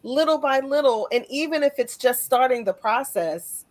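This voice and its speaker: A woman's voice: sits high, lively intonation, moderate pace, darkish tone. A woman hosting a conversational interview podcast, speaking reflectively and building her thoughts step by step. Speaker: podcast host.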